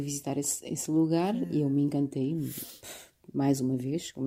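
A woman with a very deep, low pitch, fairly even intonation and hardly any pauses. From Cape Verde. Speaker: author. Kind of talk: interview.

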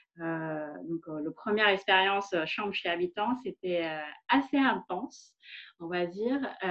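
A woman talks at a very slow pace in a medium pitch, with lively intonation. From Vietnam. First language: Vietnamese (speaking French). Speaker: finance professional. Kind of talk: interview testimony. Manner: halting, many hesitations.

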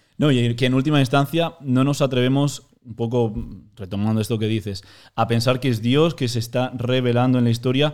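A man with a normal speaking voice at medium pitch, fairly even intonation and a fairly quick pace, on a very clean recording with a silent background. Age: 20s. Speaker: guest. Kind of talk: casual discussion of Bible study.

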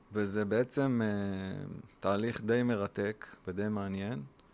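A man's fairly low-pitched voice keeps a fairly even intonation. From Israel, Rishon LeZion. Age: 50s. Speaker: emotions therapist and podcast co-host. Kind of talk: casual conversation. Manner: halting.

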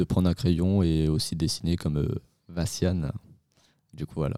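Very deep and low in pitch, a man with a dark, mellow tone speaks at a fairly slow pace with fairly even intonation. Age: 20s. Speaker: accounting assistant. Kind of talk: interview. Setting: studio. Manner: halting.

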